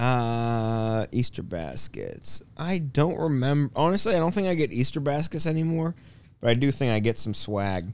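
Lively in intonation, a man speaks in a normal speaking voice at a medium pitch and a moderate pace. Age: 30s. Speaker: podcast co-host. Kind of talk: casual chat.

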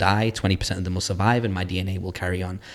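At a very fast pace, a man talks in a very deep, low pitch with monotone, flat intonation. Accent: Mancunian. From northern England, Salford (Greater Manchester). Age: 40s. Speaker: creative entrepreneur. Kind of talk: casual interview chat.

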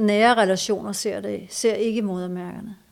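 Delivered at a fairly slow pace, a woman's medium-pitched voice stays in a monotone, flat intonation. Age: 50s. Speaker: art photographer. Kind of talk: casual chat. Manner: halting.

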